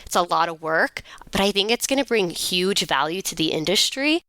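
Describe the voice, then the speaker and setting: Female co-host, bright crisp voice, dry close sound, upbeat and enthusiastic. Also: on the low side, lively intonation, normal speed, no echo. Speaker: podcast co-host. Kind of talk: casual show chat.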